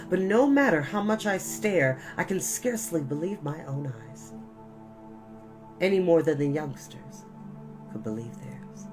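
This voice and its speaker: A woman narrates a children's novel in a low voice. Her delivery is expressive, deliberate and a little theatrical, as a storyteller's is. Music is clearly audible beneath the reading.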